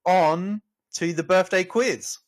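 A man's voice: high-pitched, slow. A man, co-hosting a podcast and running a quiz in an upbeat, chatty way that breaks easily into laughter. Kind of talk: casual chat.

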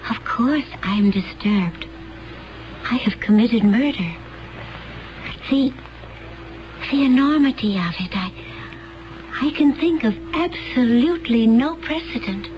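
A woman's voice: a little high, lively intonation, slow, long pauses, highs cut off. An actress playing an aloof, dazed young woman from another culture in a 1970s radio drama, solemn and detached. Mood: aloof, troubled. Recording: band-limited 1970s radio broadcast, music.

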